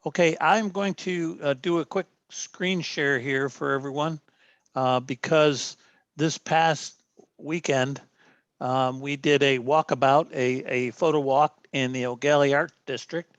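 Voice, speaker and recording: A man's voice: a little high, steady tone, measured pace, no room sound. Rambling man hosting a club meeting. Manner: rambling, many fillers and restarts. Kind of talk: casual chat on a video meeting. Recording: dull dry mic sound.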